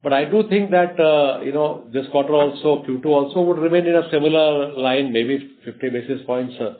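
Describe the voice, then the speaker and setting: A man's voice: fairly high pitch, moderate pace. A man with an Indian accent answers investor questions as a company executive in a conversational, explanatory way, often repeating phrases. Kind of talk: unscripted earnings call answers. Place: conference call. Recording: muffled narrowband conference phone line.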